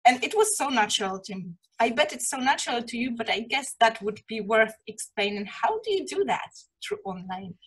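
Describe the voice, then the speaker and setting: Female interview host, high and slightly raspy, enthusiastic, conversational. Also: lively intonation, fairly quick, hardly any pauses, a bit bright, poor audio. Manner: enthusiastic, informal. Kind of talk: casual interview chat.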